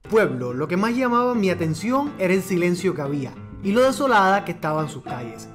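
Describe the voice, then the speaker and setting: A man's voice: high-pitched, sing-song, brisk. A young man with a Cuban accent, narrating a scripted travel vlog outdoors to a phone held at arm's length, upbeat and chatty. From Cuba. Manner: upbeat, chatty presenting to camera. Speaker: travel vlogger. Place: outdoors in a village. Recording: video played on a stream, with music.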